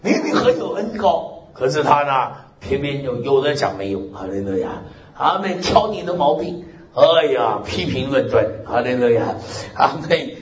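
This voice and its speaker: A male pastor preaches in a loud, strong voice, his pitch rising and falling as he exclaims amen and hallelujah. The sound is roomy and somewhat dull, with a faint hiss beneath. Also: moderate pace. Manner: animated preaching punctuated by frequent "amen" and "hallelujah", with laughter. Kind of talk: lively Mandarin sermon.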